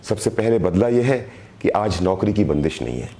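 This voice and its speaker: Hoarse, low-voiced man speaking earnestly. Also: lively intonation, mellow. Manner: earnest, deliberate, repeats phrases for emphasis. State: hoarse, sore throat. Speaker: direct selling team leader. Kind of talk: motivational live video address.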